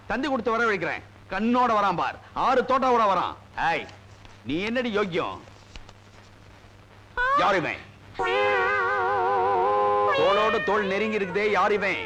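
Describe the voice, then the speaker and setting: A man's voice: high-pitched, expressive, normal speed, pauses often, sharp tone, faint music behind, rough recording. An actor playing a bickering comic husband who blusters and teases his wife in a film quarrel. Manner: blustering, teasing. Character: bickering comic husband, boastful and quick to argue.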